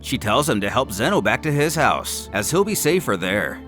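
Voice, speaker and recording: A man giving an animated, dramatic scripted narration of a manga story, as a narrator and host. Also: medium pitch, moderate pace, soft background music.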